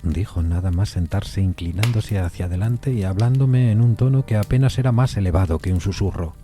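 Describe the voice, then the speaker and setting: A composed gentleman played by a male actor narrating a ghost story in an audio drama. His voice is low and extremely mellow, his delivery measured and deliberate, with music underneath. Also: natural voice. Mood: measured, suspenseful. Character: composed, rational gentleman visitor narrating an eerie tale. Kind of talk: literary first-person narration in audio fiction.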